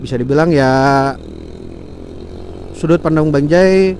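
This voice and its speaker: A man's voice: fairly high pitch, slow pace, a little mellow. Chatty man riding a motorbike. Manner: chatty, talks about himself in third person. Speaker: motorcycle vlogger reviewing gear. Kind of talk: casual spoken review while riding. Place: on a motorbike outdoors in traffic. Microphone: helmet intercom mic. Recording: faint road and traffic noise behind.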